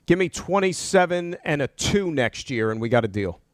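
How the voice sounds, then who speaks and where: Sarcastic New male co-host, fairly high voice, lively pitch, dry studio sound. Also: moderate pace, dry recording. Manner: sarcastic, teasing, argumentative. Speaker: sports radio co-host. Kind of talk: sports radio banter.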